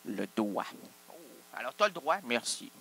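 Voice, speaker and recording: A man's voice: mid-range voice, big pitch swings, normal speed, gravelly, a bit bright, slight background noise. A man, hosting an improvised solo comedy show full of absurd, self-interrupting wordplay. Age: 30s. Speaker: host.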